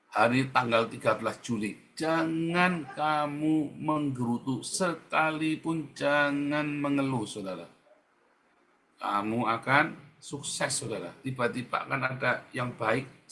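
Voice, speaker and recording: A man's voice: medium pitch, unhurried, sharp tone. A male pastor delivers a sermon in a mid-range voice. He exhorts his listeners directly and drives his points home by repetition. A faint noise sits under the recording. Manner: exhorting, repetitive, keeps addressing the congregation directly.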